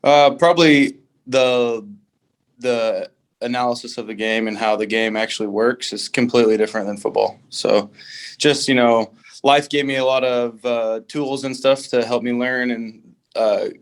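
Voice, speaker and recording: Young american man, rugby player, halting answers, lots of fillers. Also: mid-range voice, fairly even intonation. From United States. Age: young adult. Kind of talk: casual interview answers.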